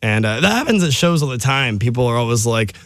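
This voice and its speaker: A man's voice: medium pitch, sing-song, fast, a bit bright, dry recording. A man in his twenties, a comedian guest in a radio studio, joking about himself and laughing often. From United States. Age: 20s. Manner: self-deprecating, laughs often. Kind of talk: casual chat.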